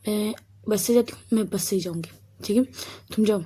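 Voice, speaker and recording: A woman's voice: medium pitch, fairly quick, warm tone, breathy edge, close to an everyday voice. A woman voicing a strict, reserved female college teacher who speaks curtly and scolds. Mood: stern. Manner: curt, scolding.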